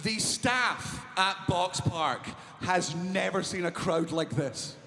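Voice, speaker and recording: A man with a high voice performs stand-up for a live crowd. He is loud and brash, swearing constantly and bursting into shouts, and a faint hum of the venue sits behind him. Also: slow pace. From Britain. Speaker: comedian.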